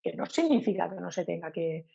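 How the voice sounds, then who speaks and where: A woman's voice: on the low side, big pitch swings, fairly quick, gravelly, warm tone, husky, muffled recording. A woman from Spain, a Spanish teacher being interviewed, who talks animatedly and acts out her examples with a sing-song voice. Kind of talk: casual interview talk.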